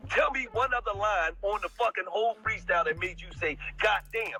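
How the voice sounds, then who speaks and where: A man with a high, piercingly bright voice pushing back in a debate, profane and dismissive. Faint music sits behind him. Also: brisk.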